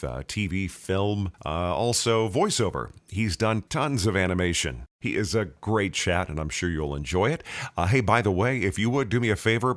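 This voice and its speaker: A man in his fifties hosts a podcast, chatting loosely and folksily. His voice is deep but swings widely in pitch, and the sound is close and dry. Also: a bit bright, dry recording. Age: 50s. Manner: folksy, loose and friendly, with many fillers. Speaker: podcast host. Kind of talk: casual interview chat. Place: home in South Texas.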